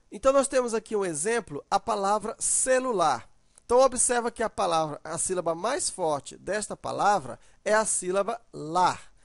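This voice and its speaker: A man's voice: high-pitched, creaky, dry recording, clean studio sound. A man, teaching a recorded grammar lesson and patiently stretching out example words to show how they sound. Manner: explains patiently, drawls out example words to demonstrate; tag questions sprinkled through.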